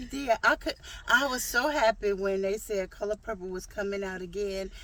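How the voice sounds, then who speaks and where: In a normal speaking voice, a woman talks at a moderate pace and a medium pitch. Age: 60s. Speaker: retired teacher. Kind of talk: casual chat.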